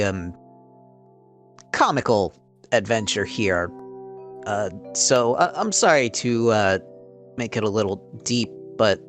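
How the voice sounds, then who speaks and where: Slow, hesitant man at a game table. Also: fairly low pitch, fairly bright tone. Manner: hesitant, halting. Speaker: player in a tabletop role-playing game. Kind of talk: casual in-game talk.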